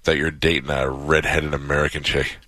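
Bright-toned fifty-something male host, dry close mic. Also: rumbling low, little pitch movement, fairly quick, dry recording. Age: 50s. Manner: rambling, self-interrupting questions. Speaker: radio show host. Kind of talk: casual interview chat.

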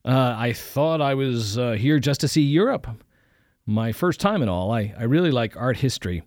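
A nervous young student, played by a male reader, stammering and tripping over his words in a higher, hesitant voice. The sound is dry and close. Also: animated, normal speed, darkish tone, no room sound, natural voice.

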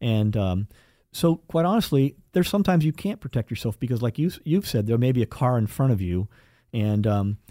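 A man's voice: medium pitch, animated, moderate pace, dark tone, no room sound, studio quality. A man hosting a radio advice show in casual, conversational talk.

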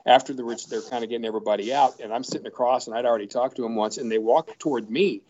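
Animated man telling stories, lo-fi sound. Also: mid-range voice, rapid-fire. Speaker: sports broadcaster and podcast regular. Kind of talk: casual storytelling chat.

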